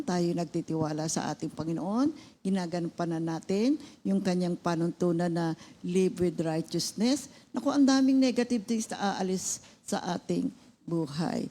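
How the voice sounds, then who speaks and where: A woman co-hosting a Christian teaching program, talking casually and telling stories with lively acted-out dialogue. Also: fairly low pitch, normal speed. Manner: animated storytelling, acting out dialogue loudly. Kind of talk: conversational Bible teaching.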